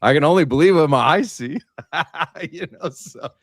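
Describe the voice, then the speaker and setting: A man's voice: on the high side, normal speed, dry recording, clean studio sound. A man talking casually in a roundtable discussion, with informal, slangy and emphatic phrasing. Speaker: livestream panelist.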